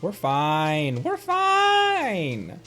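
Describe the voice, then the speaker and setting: A streamer chatting casually over a game, with an animated, exclamatory delivery. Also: medium pitch, drawn-out words, soft background music. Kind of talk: casual game livestream commentary.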